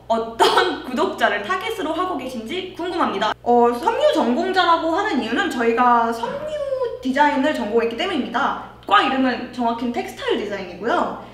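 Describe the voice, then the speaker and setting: Female YouTube host, twenties, high-pitched, lively intonation, casual Q&A chat, picked up from a distance. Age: 20s. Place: bare white indoor studio. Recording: echoey room, distant mic.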